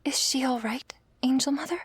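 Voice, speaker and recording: Actress as compassionate, questioning young female angel for whispered role-play audio drama; husky-soft, hesitant, very dry close sound. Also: high-pitched, normal speed, no echo. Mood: meek, worried. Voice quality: soft, breathy. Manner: earnest, hesitant.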